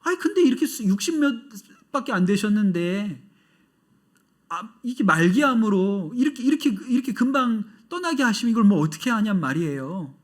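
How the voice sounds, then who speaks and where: A pastor giving a sermon in a church service, conversational and expressive. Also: male voice, high-pitched, moderate pace.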